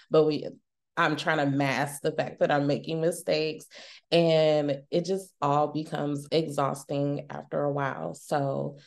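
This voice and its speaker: A woman's voice: low-pitched, a little mellow. A woman speaking as a panelist, telling a personal story in an earnest, reflective way.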